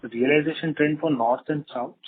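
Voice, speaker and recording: A man's voice: fairly high pitch, moderate pace, a little hiss or hum. A man, an analyst putting methodical follow-up questions on an earnings call. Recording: phone-line conference call audio.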